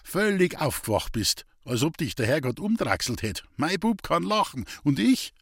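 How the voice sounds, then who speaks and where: A man's voice: a little high, big pitch swings, moderate pace, creaky, a bit bright, slightly rough, dry recording, studio quality, exaggerated voice. A man reading aloud, voicing a jovial old Bavarian farmer in a somewhat raised voice.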